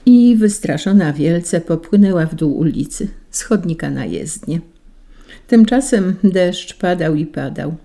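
A woman reading a children's story aloud in a gentle, measured way. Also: fairly low pitch, animated.

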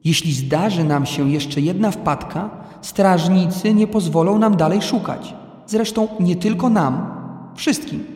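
A man voicing a patient father who calmly lectures his sons about following rules in an audiobook. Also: high-pitched, a little slow, echoey room, long reverb tail. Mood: instructive. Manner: calm, instructive, mildly scolding. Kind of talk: audiobook character reading.

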